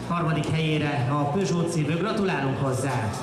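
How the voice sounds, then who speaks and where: Very slow speech with music in the background and audible room echo. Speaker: event announcer. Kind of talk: commentary. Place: street. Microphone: pa.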